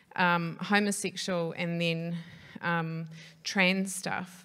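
Against a quiet background, a woman talks very slowly at a fairly low pitch with a New Zealand accent. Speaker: education researcher, audience member; audience member. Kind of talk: audience question. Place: hall.

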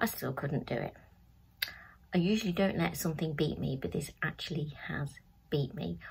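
A woman's very deep, low voice with vocal fry and an English accent. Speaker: vlogger. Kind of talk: casual vlog. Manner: chatty.

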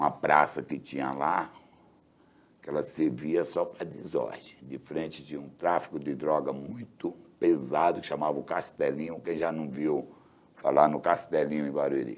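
A man with a very deep, low pitch speaks with vocal fry. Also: fairly even intonation, moderate pace. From Bahia, Brazil (rural Ipirá); Bahia, Brazil. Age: 50s. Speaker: city councillor; council guest. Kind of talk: interview. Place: studio.

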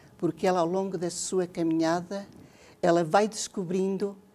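Her medium-pitched voice stays monotone and flat throughout. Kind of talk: TV interview. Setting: TV studio. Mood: calm, warm, devout. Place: studio. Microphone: lapel.

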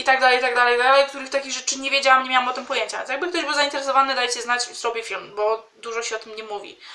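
In a raised, projected voice, a woman talks at a very fast pace with fairly even intonation. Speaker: vlogger. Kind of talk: casual vlog chat. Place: home room. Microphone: webcam.

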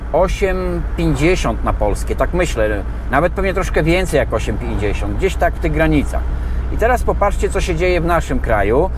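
A man speaks at a moderate pace and very even loudness, the sound dry with no echo and background noise noticeable. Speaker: driver vlogger. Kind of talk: casual vlog chat. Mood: mildly sarcastic, opinionated. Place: car. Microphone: camera far.

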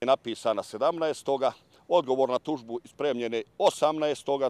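Against a quiet background, a man with a normal speaking voice talks at a medium pitch with ordinary pitch variation, the sound dry and close with no echo. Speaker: lawyer. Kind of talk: news interview.

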